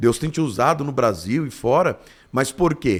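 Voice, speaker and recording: A man talks in an unremarkable speaking voice. His pitch is medium, with ordinary variation. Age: under 60. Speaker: pastor and co-host. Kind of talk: religious talk show. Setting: studio, live radio broadcast.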